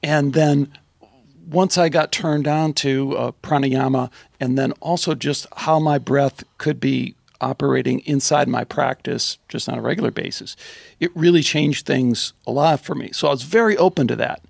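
A man hosting a podcast in a relaxed, conversational, somewhat halting way. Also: mid-range voice, creaky, no echo. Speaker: podcast host. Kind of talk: casual interview.

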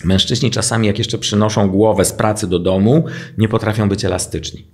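Low-voiced man acting out stories. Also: a little fast. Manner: animated storyteller, acts out clients' lines. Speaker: relationship therapist guest. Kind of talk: casual podcast conversation.

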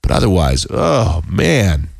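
A man hosting a casual sports podcast, hoarse and sick with a cold, talking in a rambling, self-deprecating way with many halting restarts. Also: sits low, sing-song, no room sound, clean studio sound. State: hoarse, losing his voice. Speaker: podcast host.

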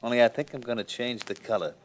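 An actor playing a cocky, boastful gangster who talks in slang, in a 1950s radio drama. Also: male voice, medium pitch, fast, lightly acted, rough recording. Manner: brash, swaggering, slangy. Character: cocky boastful male gangster shooting pool.

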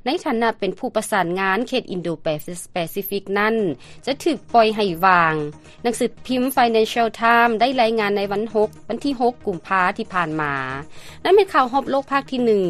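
A woman's voice: on the high side, animated, moderate pace, fairly bright tone, faint music behind. A woman with a Lao accent reading scripted radio news as the anchor.

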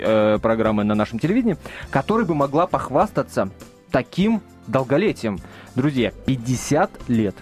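A man's voice: mid-range voice, darkish tone. A man hosting a live radio talk show in a studio, chatty and joking, with many fillers and restarts. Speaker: radio host.

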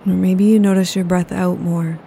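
Female meditation guide, low flat calm delivery, warm dark tone. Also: gravelly, a little hiss or hum. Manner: slow, soothing, unhurried. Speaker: yoga nidra guide.

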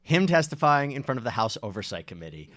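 A man co-hosts a talk show and walks through legal news in an easy, conversational manner, slipping in a few jokes. His voice sits at an ordinary pitch for a man. The sound is dry and close, with no room echo. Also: big pitch swings, fast talker, fairly bright tone. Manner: explains legal points conversationally, jokes along. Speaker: podcast co-host. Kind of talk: casual legal news discussion.

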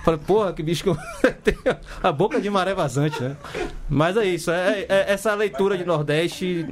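A man's voice: high voice, moderate pace, background noise. A man on a sports podcast panel. He argues heatedly, swears and stumbles over his restarts. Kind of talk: casual sports chat.

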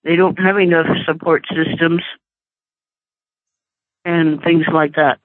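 A woman's voice: low-pitched, steady tone, takes it slowly. Woman on a tinny phone line. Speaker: caller. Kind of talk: call-in talk radio.

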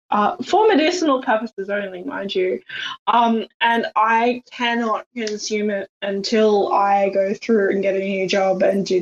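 A woman talking in a wry, self-mocking way as a guest in a casual live chat. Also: mid-range voice. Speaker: guest panelist. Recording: dull lo-fi audio.

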